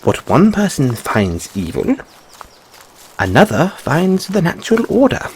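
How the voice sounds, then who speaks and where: A man's voice: on the high side, huge pitch swings, measured pace, a little mellow, a little hiss or hum. A man voicing a curious, fussy white rabbit boy in a fantasy audio roleplay, musing theatrically with quaint, questioning phrasing. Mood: musing, inquisitive.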